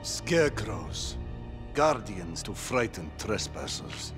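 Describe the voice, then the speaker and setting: An actor playing a ruthless, domineering warlord villain in a video game cutscene, with a menacing, commanding delivery. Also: male voice, on the low side, very animated, slow pace. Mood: cold menace. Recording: loud dramatic music behind.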